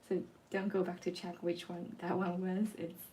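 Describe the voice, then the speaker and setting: Somewhat breathy, a woman with a non-native accent speaks at a fairly slow pace, her medium-pitched voice dark and mellow in tone. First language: not English. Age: 20s. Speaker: journaling and art content creator. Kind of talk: live stream casual chat. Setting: live stream. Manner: chatty, halting.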